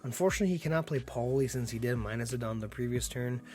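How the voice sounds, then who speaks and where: A man getting over being sick, with a slightly hoarse voice, giving upbeat, laid-back play-by-play commentary on a card game and laughing often. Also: mid-range voice, quick pace, darkish tone.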